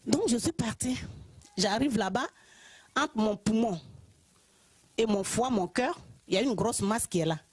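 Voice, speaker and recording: A woman from Côte d'Ivoire with an Ivorian French accent, telling her personal testimony in church in a lively way, often laughing. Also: fairly high pitch, measured pace, pauses often, breathy edge, no echo. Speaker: church member giving testimony.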